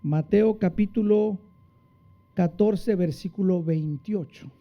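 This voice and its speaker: A man preaching a sermon, asking the congregation questions and answering them, acting out quotes with big swings in his voice. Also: slow. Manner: dramatic, acts out quotes with big pitch swings. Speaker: pastor. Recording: dull lo-fi sound.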